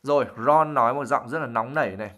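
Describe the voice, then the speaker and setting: A man's voice: medium pitch, quick pace, bright, forceful tone. A man teaching English vocabulary on a livestream, explaining words patiently with many fillers.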